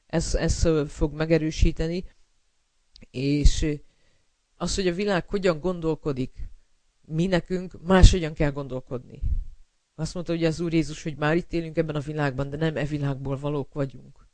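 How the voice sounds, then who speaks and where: An earnest man preaching a sermon, his voice sitting a little higher than most men's. He pauses often with fillers, speaks straight to his listeners and calls them brother. The sound is dry and close, with no room echo. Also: steady tone, darkish tone. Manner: tells personal stories to illustrate scripture.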